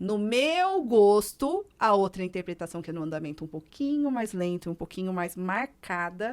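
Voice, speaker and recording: On a very clean recording with a silent background, a woman talks at a moderate pace with lively intonation and hardly any pauses. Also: medium pitch for a woman. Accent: interior São Paulo. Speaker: cellist and music teacher. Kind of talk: podcast interview.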